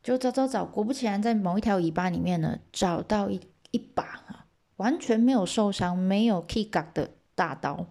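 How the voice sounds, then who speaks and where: A woman telling an old legend in a casual, lively way, checking in with listeners and dropping chatty asides. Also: medium pitch, normal speed. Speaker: storyteller.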